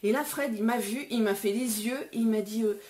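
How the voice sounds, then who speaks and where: A middle-aged woman vlogger chatting casually, retelling a story in an animated way with many fillers. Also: on the high side, moderate pace, a little hiss or hum. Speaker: beauty vlogger.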